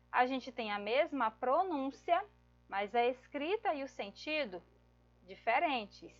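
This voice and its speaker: A woman's voice: high voice, a bit bright, lo-fi sound. A woman teacher giving a grammar lesson, explaining patiently step by step and checking in with her listeners.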